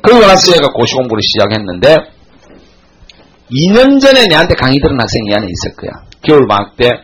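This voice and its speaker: A man in his forties giving a classroom lecture, telling a blunt, animated story to his students. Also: medium pitch, fast, breathy edge, rough recording. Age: 40s.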